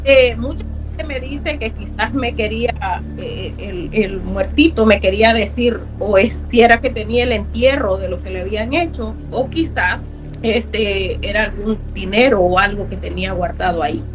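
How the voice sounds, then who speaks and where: A woman's voice: mid-range voice, moderate pace, soft background music, low-quality recording. A middle-aged woman from Honduras, earnestly telling a personal story as a guest, repeating words for emphasis.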